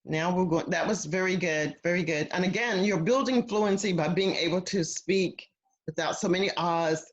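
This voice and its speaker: A woman's voice: on the low side, normal speed. A woman teaching an English conversation class over a video call, patient and encouraging. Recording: dull lo-fi video call audio.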